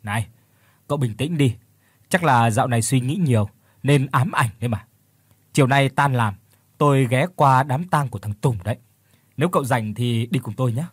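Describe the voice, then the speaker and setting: A man's voice: mid-range voice, normal speed, long pauses, husky, no echo, natural voice. A man playing a blunt, teasing company boss. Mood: brusque. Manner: blunt, offhand, mildly mocking. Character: brusque middle-aged male company director, teasing.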